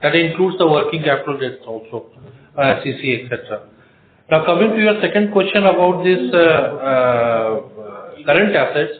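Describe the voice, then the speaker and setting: A man's voice: a little high, animated, moderate pace. This man. As a finance executive, he gives figures with many hesitations and fillers. The sound is roomy and squeezed through a phone line. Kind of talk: earnings call answers. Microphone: conference call phone line. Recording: echoey room over phone line.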